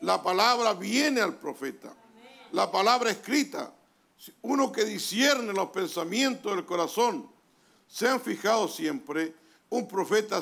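A Chilean pastor preaches in a slow, measured cadence, letting each phrase land before the next. His voice sits high for a man and carries a gravelly, crackling texture. He breaks the message with calls of amen to the congregation. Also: fairly bright tone. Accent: Chilean Spanish. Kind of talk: sermon reading from a translated message. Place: church hall.

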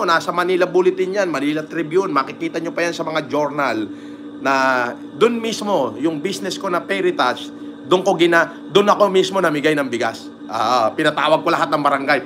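A man with a Batangas Tagalog accent hosting a livestream, giving shout-outs and reading viewer comments in a crude, teasing manner. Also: a little high. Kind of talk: casual livestream chat.

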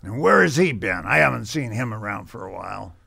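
A man's voice: on the low side, big pitch swings, a little fast, creaky, pushed and bright, husky, no echo, clean studio sound, exaggerated voice. A man acting in an improvised radio drama as a blunt, folksy gold miner, plain-spoken and needling. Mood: grumbling. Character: blunt, folksy gold miner who vents anger with a pickaxe.

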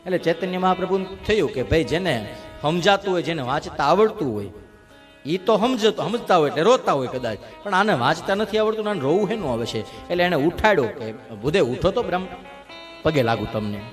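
A man, telling a devotional story as a sermon in an animated, rhythmic style with chanted verses. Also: sits high, fairly quick, big-room sound. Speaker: religious storyteller. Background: guitar music.

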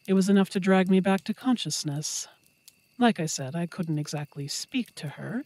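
A woman's voice: fairly low pitch, a little mellow. A woman playing a playful, possessive werewolf girlfriend in an intimate roleplay audio, talking to the listener in a teasing, affectionate way. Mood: playful, fond.

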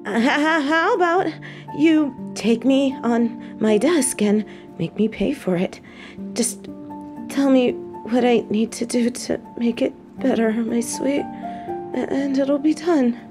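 A woman's voice: sits high, takes it slowly. A woman playing a possessive female mafia boss and doting girlfriend in a scripted, intimate audio roleplay. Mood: panicked, pleading. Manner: swings between cold threats and tender pleading. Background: background music.

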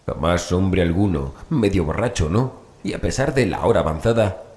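Male horror audiobook narrator, low register, measured and dramatic, echoey sound with faint noise. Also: expressive, darkish tone. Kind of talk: scripted horror story narration. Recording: roomy echo, faint background noise.

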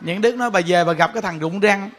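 A fast-talking Buddhist monk with a high voice gives a sermon, telling stories with lots of laughter and addressing listeners directly. A faint crowd and slight background noise can be heard.

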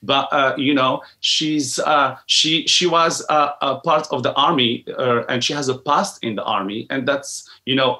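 A man's voice: medium pitch, bright, forceful tone. A man in his forties, an entertainment reporter, answering interview questions hesitantly over a video call from home, with many restarts. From Morocco. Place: home room with a painting behind.

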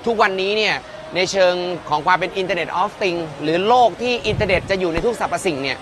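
A man in his forties hosting a live walkaround at an indoor exhibition, lively and joking, exclaiming as he goes. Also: high-pitched, fairly quick, noisy background. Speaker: tech show host touring an expo. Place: busy indoor exhibition hall. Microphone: handheld mic, filmed by a roaming camera.

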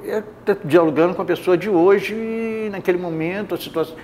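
An older actor sits for a studio interview on a lapel mic, his voice a touch higher than most men's. He muses aloud, breaking off and restarting sentences, with a faint noise floor beneath him. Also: brisk, darkish tone. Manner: rambling, restarts mid-thought. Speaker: actor guest. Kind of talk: casual studio interview chat. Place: bright indoor TV studio, seated.

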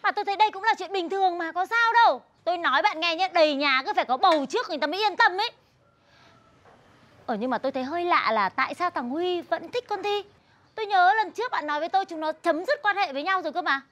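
An actress playing a nosy, chatty middle-aged friend in a TV drama who gossips freely. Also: female voice, very high-pitched, lively intonation, fast, fairly bright tone. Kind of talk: TV drama acting.

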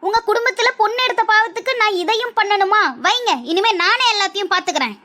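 A woman's voice: very high voice, fast talker, sharp tone. A woman voicing a scolding, fed-up mother-in-law in a cartoon, nagging and wailing at her daughter-in-law. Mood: indignant. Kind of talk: cartoon voice acting.

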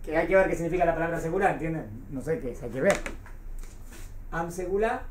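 A woman with a low, quick, slightly mellow voice teaches Torah to a small group, recorded in an echoey classroom with a bit of hiss or hum. She explains patiently and keeps checking comprehension.

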